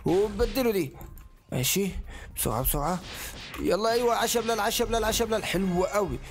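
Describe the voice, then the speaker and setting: A man with an Egyptian Arabic accent hosting a gaming video, excitable, firing off rapid exclamations and English catchphrases. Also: sits high, slight background noise. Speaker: gaming channel host. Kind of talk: excited Let's Play commentary.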